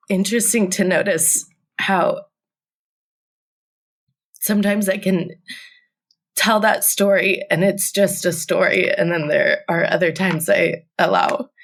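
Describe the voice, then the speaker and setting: Woman, twenties, low voice, vocal fry, podcast guest, conversational storytelling, frequent fillers. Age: 20s. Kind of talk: personal story told in a podcast interview.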